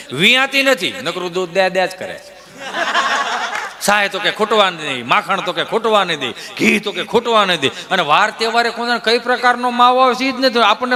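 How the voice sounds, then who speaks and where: A male stand-up comedian, telling folk jokes in a lively, rustic storytelling manner while acting out characters. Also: sits high.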